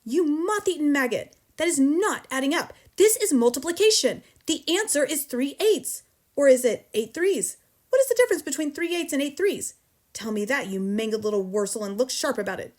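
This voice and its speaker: A woman's voice: mid-range voice, steady tone, quick pace, hardly any pauses, natural voice. A woman voicing a huge, tyrannical headmistress in a storybook, bellowing contemptuous insults with explosive temper. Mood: raging, scornful. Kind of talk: storybook character reading.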